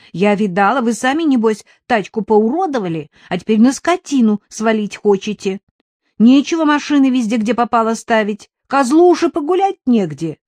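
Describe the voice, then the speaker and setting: A woman voicing a scrappy, loud village girl who squabbles and yells in a storybook reading. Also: dry recording, clean studio sound. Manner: shrill, squabbling, cheeky.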